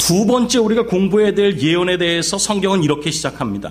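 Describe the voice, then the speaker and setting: Speaking at a moderate pace with lively intonation, a man's high voice carries audible room echo and noticeable background noise. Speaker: pastor. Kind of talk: sermon.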